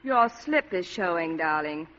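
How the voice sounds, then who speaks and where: An actress playing a coy, manipulative glamorous wife in a 1940s-style radio drama. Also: female voice, lowish voice, lively intonation, unhurried, fairly bright tone, slight background noise. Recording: dull lo-fi old radio recording.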